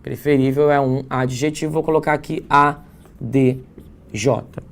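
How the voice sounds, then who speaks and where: A man's voice: mid-range voice, steady tone, measured pace. A man with a Brazilian accent teaching a live exam-prep grammar class, explaining step by step and checking in with his students. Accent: Brazilian Portuguese. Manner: explanatory, frequent check-ins like "certo?" and "tá?".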